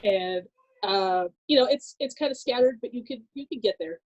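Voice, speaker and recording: A woman from Southern California, in her thirties, tells her personal story as a podcast guest. Her voice sits a little high but sounds mellow and warm, and she talks easily with plenty of "uh"s and small laughs. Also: normal speed, poor audio. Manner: relaxed, laughs easily, many fillers. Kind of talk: personal testimony in casual chat.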